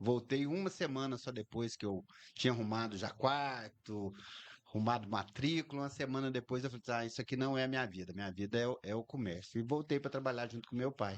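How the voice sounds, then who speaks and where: A man's fairly quick delivery in an ordinary speaking voice, with ordinary pitch variation over a quiet background. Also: medium pitch for a man. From Brazil, southern Minas Gerais (Três Pontas). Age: 60s. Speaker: supermarket owner, businessman. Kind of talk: interview.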